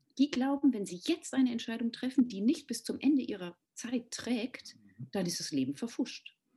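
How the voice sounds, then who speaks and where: A woman with a high pitch and a dark, mellow tone speaks at a moderate pace, her intonation lively and her loudness making big swings. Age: 40s. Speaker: resilience coach. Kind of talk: interview.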